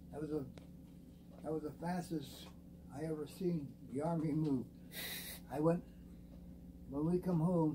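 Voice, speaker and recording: Against noticeable background noise, a man with a fairly high pitch talks in a flat monotone, leaving long, frequent pauses. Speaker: World War 2 veteran. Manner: rambling; halting. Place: kitchen. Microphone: camera far.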